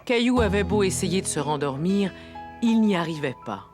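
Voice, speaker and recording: A woman narrates a children's tale in a fairly low voice with lively, swinging intonation. The reading is scripted storytelling, with music clearly behind it. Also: moderate pace.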